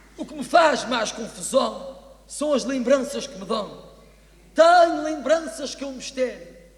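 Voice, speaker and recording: Against noticeable background noise, a man with an extremely high pitch speaks at a fairly slow pace, with ordinary pitch variation and big swings in loudness. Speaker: carnival monologue performer. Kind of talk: rhymed comic monologue to a live audience.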